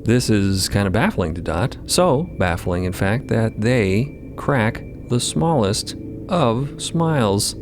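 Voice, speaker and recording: Storytelling narrator, mid-to-low register, slow delivery, music behind. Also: very animated. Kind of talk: scripted narration.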